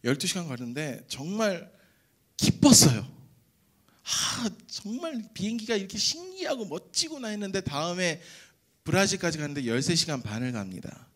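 A young man giving an animated testimony at a church prayer service, telling his story with jokes and acted-out voices. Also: sits high, moderate pace.

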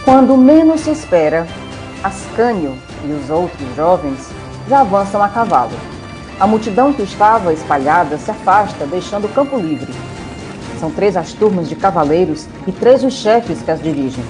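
A woman's voice: fairly low pitch, lively intonation, moderate pace, over music, low-quality recording. A woman with a Brazilian accent, narrating a scripted tale in a theatrical, playful way.

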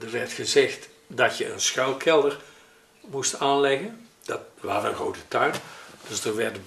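An elderly man, recalling memories in a hesitant, pausing, conversational way. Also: mid-range voice, vocal fry, a bit bright. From Netherlands. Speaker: interviewee recalling his childhood. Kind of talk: spoken reminiscence in an interview. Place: living room at home, indoors. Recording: roomy echo with faint noise.

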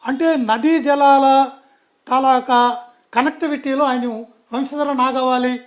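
A man's voice: very high-pitched, fairly even intonation, slow. A man speaking as a guest in a political interview, talking emphatically and often restarting and correcting himself mid-sentence.

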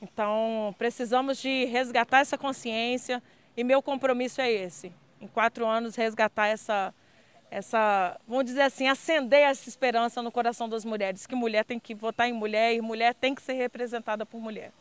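Here a woman from Brazil, a community leader seeking a council seat, responds to a street interview at a moderate pace. Her voice is a bit high, steady, clear and resonant. She comes across as earnest and persuasive, with fillers throughout.

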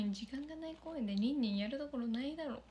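Giggly high-voiced young woman streamer. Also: fairly quick, noisy background. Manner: giggly and playful, laughing often. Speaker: idol livestreamer. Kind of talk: casual live stream chat reading comments.

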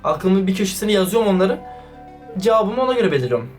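A man doing excited, casual vlog commentary, slangy and talking straight to his viewers. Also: high-pitched, fast talker. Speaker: YouTuber reacting to a chat. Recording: distant mic with background music.

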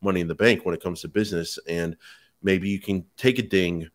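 Male podcast co-host, thirties, low-pitched voice, explanatory and conversational. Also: fairly even intonation, brisk. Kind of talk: conversational explanation of online advertising. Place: home kitchen, indoors.

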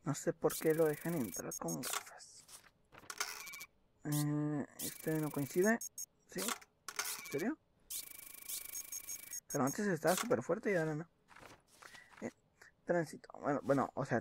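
Brief: young man, gameplay commentary, mutters and reads documents aloud, fairly high voice. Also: expressive, unhurried, long pauses, noisy background. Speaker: gaming video host.

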